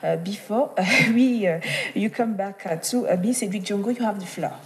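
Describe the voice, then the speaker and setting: A female host with a mellow, husky voice hands the interview over to a colleague. She speaks haltingly and fills the gaps between words with hesitation sounds. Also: medium pitch. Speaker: program host.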